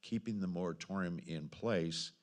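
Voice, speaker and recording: A man speaking as mayor at a council meeting, halting and repeating words as he works through his point. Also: deep voice, darkish tone. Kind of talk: formal meeting discussion.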